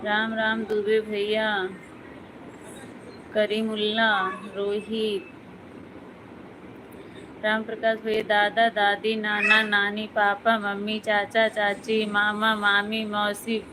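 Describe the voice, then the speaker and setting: A woman's voice: mid-range voice, monotone, slow, pauses often. A woman hosting a casual livestream from Jammu, greeting viewers one by one in a friendly, chatty way. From Jammu region, India. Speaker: livestream host. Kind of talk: casual livestream chat reading viewer comments. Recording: noisy home livestream audio.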